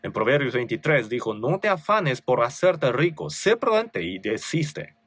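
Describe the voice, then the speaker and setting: A man's voice: medium pitch, sing-song, unhurried, fairly bright tone, no echo. A male pastor with a Korean accent preaching a sermon, reading scripture with rising emphasis and asking rhetorical questions.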